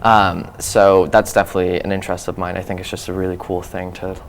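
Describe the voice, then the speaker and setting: A teenage high school student answering interview questions, relaxed with frequent ums. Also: male voice, quick pace, a little hiss or hum. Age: teens. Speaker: guest.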